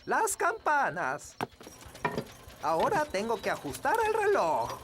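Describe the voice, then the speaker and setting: An actor voicing a wise old elf in a children's cartoon, earnest and proud, with a Latin American Spanish accent. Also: male voice, very high-pitched, huge pitch swings, takes it slowly, exaggerated voice. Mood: puzzled. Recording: clicking, ticking noise behind.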